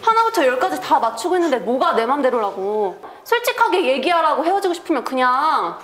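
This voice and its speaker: A woman's voice: high voice, sing-song, fairly quick, a bit bright, roomy sound. A woman playing a fed-up, indignant girlfriend in a breakup scene.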